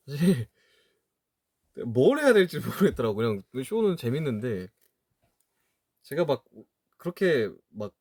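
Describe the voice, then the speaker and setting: A man around thirty chatting casually to viewers on a livestream, musing aloud and trailing off with soft laughs. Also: medium pitch, no room sound, studio quality. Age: 30s. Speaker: livestream host reading chat.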